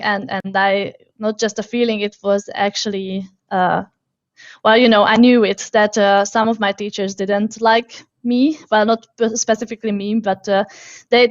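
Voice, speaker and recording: Chatty Hungarian-born woman, high and dry. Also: no room sound, lo-fi sound. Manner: hesitant, many fillers and restarts, laughs often. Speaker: guest. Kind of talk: casual interview chat.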